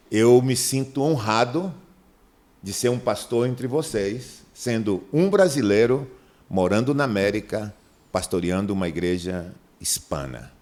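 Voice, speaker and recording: Animated pastor from Manaus. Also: male voice, fairly low pitch. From Brazil, Manaus. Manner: animated storyteller, acts out dialogue in a raised voice. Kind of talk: podcast interview.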